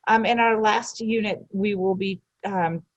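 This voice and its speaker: A woman's voice: medium pitch, steady tone, a little slow, dry recording, muffled recording. A woman who teaches French and Spanish, giving a back-to-school night overview with frequent "um" fillers. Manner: many "um" fillers, earnest.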